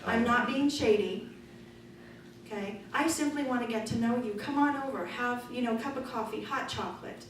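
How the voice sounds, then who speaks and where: A middle-aged woman speaking as a political candidate at a forum, loud and forthright in a conversational way. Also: fairly high pitch, normal speed. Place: meeting room. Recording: echoey room from far off, noisy.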